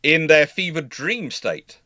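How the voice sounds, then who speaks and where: A man hosting a casual livestream, talking in a rambling, animated way and often interrupting himself. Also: a little high, slow pace, no echo, clean studio sound. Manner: animated, rambling enthusiast with frequent self-interruptions. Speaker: livestream host.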